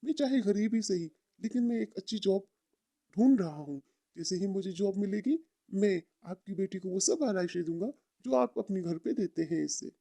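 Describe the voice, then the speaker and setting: A woman's voice: medium pitch, expressive, normal speed, dark tone, no echo, voice pushed down. A woman voicing a poor but proud young man in love, speaking plainly and sincerely in a story. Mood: humble, pleading.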